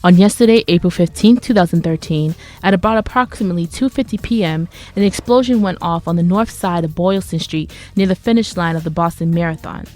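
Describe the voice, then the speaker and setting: A woman's voice: lowish voice, brisk, hardly any pauses, darkish tone. A woman reading scripted news and announcements as a college radio reporter.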